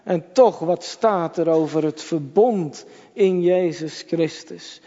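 A man's voice: a little high, slow, mellow. A man preaching a sermon to his congregation in church, emphatic and repetitive, addressing his listeners directly. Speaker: pastor. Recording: dull lo-fi church recording with long reverb.

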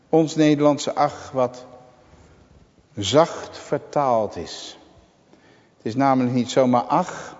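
A man preaching a sermon, slow and emphatic, with dramatic pauses and sudden exclamations. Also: medium pitch, darkish tone. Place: church. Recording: dull lo-fi sound in a reverberant church.

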